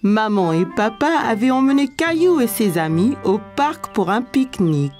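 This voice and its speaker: A woman playing a kindly storyteller, narrating a children's cartoon in a clearly phrased storybook manner. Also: fairly high pitch, very animated, moderate pace, a little mellow. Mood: storytelling. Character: kindly storyteller narrating a small boy's day. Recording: faint music under the voice.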